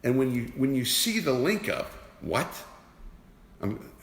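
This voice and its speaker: A man's voice: mid-range voice, huge pitch swings, a little slow, creaky. Emphatic man teaching in a reverberant room. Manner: emphatic, repeats rhetorical questions. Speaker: energy awareness teacher. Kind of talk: motivational teaching talk. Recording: roomy with long reverb.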